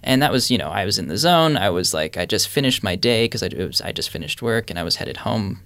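A man's voice: fairly low pitch, animated, quick pace, gravelly, a bit bright, dry recording. A young man telling a personal faith story in an earnest, rambling way with many fillers. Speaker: panel guest. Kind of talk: casual faith discussion.

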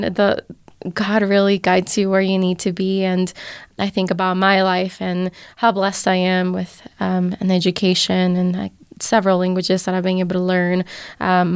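Smooth, flat-toned woman from Venezuela. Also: on the low side, no echo, clean studio sound. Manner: reflective, halting with many fillers. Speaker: panel guest. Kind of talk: casual faith discussion.

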